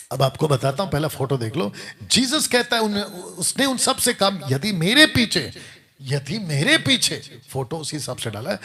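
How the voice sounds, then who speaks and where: A man's voice: on the high side, a bit bright. A man preaching a sermon to a live congregation, scolding and firing rhetorical questions at the crowd. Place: church or meeting hall with congregation.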